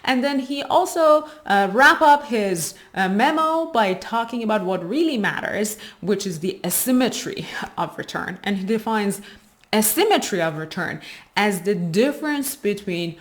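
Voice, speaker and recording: A woman's voice: medium pitch, animated, measured pace. Woman explaining investing research. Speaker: host of an investing video channel.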